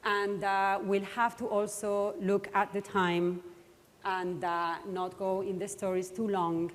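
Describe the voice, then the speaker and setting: A woman's voice: mid-range voice, flat delivery, takes it slowly. Woman moderator in a reverberant hall. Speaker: panel moderator. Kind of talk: informal event introduction, explaining a format.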